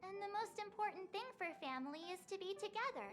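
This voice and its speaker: A woman's voice: very high-pitched, lively intonation, quick pace, fairly bright tone, faint music behind. An actress voicing a perky, eager, playful teenage girl adventurer in an anime-style video game. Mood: warm, eager. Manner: bubbly, eager.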